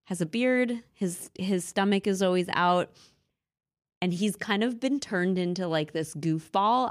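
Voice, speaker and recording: A woman in casual conversation, retelling old myths in a chatty, giggly way with lots of fillers and restarts. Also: fairly low pitch. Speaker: podcast co-host. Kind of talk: casual chat about mythology.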